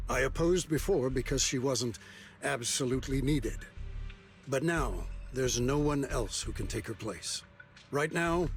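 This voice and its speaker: A man playing a stern, self-righteous clan elder in a video game, speaking in a commanding, insistent manner. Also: medium pitch. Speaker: game character. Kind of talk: dramatic video game dialogue. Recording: game music underneath. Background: game music.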